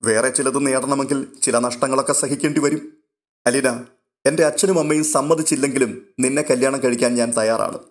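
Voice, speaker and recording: A man voicing a steady, reassuring young man in an audio story, calm and matter-of-fact. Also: medium pitch, brisk, lightly acted.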